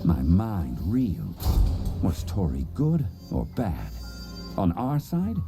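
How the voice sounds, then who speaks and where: A man's voice: low-pitched, wildly swooping pitch, slow pace, vocal fry, full character voice. A man voicing a hard-boiled, melodramatic cartoon detective in noir parody narration. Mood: brooding. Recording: music behind the voice.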